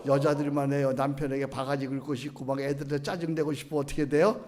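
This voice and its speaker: A middle-aged man preaching as a pastor, leading his congregation in call-and-response prayer, dropping to a hush and rising to loud chanting. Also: medium pitch, little pitch movement, fast talker, crowd noise. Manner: swings between hushed lines and loud chanted prayer. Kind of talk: sermon.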